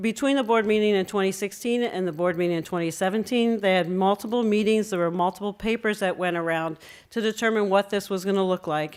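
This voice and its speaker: A woman with a plain, everyday voice talks at a fairly quick pace with hardly any pauses, her medium pitch showing ordinary variation on a very clean recording with a silent background. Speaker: council chair at a conference. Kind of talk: conference presentation.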